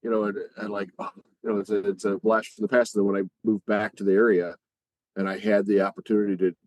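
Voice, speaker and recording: A man telling an anecdote conversationally, in a halting way with repeated phrases. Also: lowish voice, flat delivery, darkish tone, dry recording, rough recording. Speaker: guest, community theatre player. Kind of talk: conversational storytelling.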